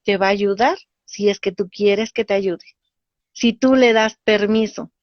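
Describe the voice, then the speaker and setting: A woman, a spiritual teacher explaining ideas in a lively way and acting out little dialogues. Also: medium pitch, measured pace, no echo. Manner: animated, acts out voices in dialogue. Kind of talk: teaching talk. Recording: dull lo-fi dry sound.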